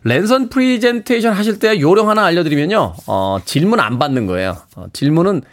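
A man's voice: high-pitched, very animated, a little fast. A man hosting a radio show, chatting, reading listener messages and plugging events with self-mocking humor. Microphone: studio microphone.

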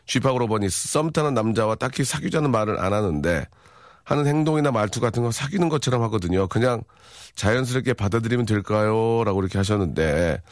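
A man's voice: on the low side, lively intonation, quick pace, no echo, studio quality. A man in his forties hosting a radio show, reading listener messages in a playful, jokey chat and acting out little voices.

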